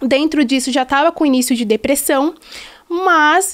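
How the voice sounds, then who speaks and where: Against a quiet background, a woman speaks with a high pitch. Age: 20s. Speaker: patient advocate on social media; podcast guest. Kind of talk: interview testimony. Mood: earnest, personal story. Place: studio. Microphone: studio mic.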